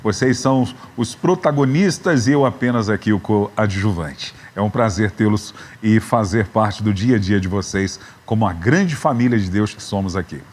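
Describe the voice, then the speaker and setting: A man's voice: fairly low pitch, animated, moderate pace, hardly any pauses. A man in his fifties with a São Paulo accent, a pastor hosting a live church webcast and drawing out his greetings. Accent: Brazilian Portuguese, São Paulo. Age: 50s. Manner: warm greetings, stretched out and raised. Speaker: pastor and program host. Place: church building.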